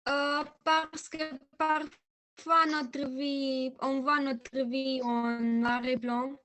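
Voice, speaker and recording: A woman answering haltingly for her theatre group. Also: high-pitched, flat delivery, fairly bright tone, faint music behind.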